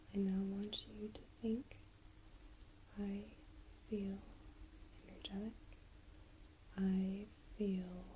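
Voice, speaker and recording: A soft-spoken woman with a calm tone, light background noise behind her. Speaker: ASMR meditation guide. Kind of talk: guided meditation / ASMR personal attention. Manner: soft-spoken, calm, slow. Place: home room. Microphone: studio mic.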